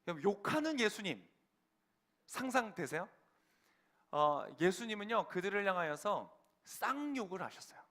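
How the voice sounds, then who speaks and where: Bright, high-voiced man preaching. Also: very animated, normal speed, long pauses. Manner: emphatic, rising to fervent declarations; asks the congregation rhetorical questions. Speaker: pastor. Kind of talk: sermon.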